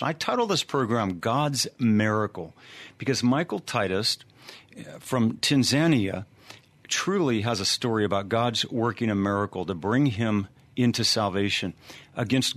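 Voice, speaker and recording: A man's voice: medium pitch, animated, moderate pace, a bit bright. A man hosting a Christian radio program, asking friendly, leading interview questions.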